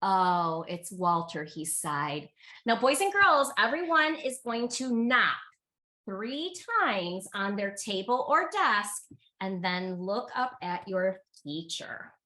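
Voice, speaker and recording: A woman reading a picture book aloud to children in an expressive, teacherly way, speaking directly to her listeners. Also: a little high, slow pace. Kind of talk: animated children's read-aloud.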